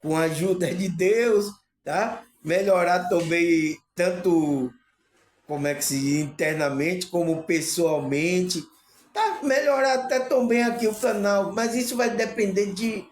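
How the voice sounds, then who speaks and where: A man's voice: high voice, measured pace. A man giving an informal spiritual talk to his viewers, rambling and often checking in with the audience through tag questions. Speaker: spiritual channel host. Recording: echoey room with faint ambient noise.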